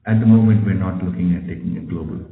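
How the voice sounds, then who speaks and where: A very deep-voiced man answers investors in a blunt, emphatic way, circling back over his phrases. He sounds like he is in an echoing room on a muffled phone line with some hiss. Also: quick pace, vocal fry. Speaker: company executive answering investor questions. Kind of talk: earnings conference call answers. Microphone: conference call phone. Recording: roomy, noisy, muffled conference phone line.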